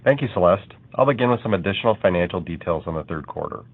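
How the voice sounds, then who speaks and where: A deep-voiced man reads a prepared financial report as a company executive. His delivery is formal and measured. The audio is narrow, like a telephone conference call. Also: animated.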